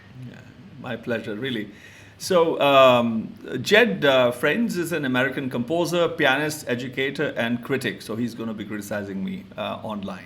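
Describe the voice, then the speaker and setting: A man with a Punjabi accent speaks at a medium pitch and a moderate pace, his intonation lively, with audible room echo. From India, Punjab. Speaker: musician and online talk show host. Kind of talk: live video interview introduction. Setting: live video call stream. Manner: halting, many fillers.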